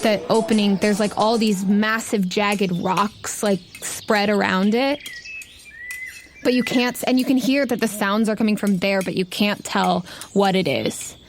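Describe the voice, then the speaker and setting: A woman's voice: mid-range voice, a little slow, slight background noise. A woman narrating a tabletop game as game master and host. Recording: music playing behind the voice. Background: music.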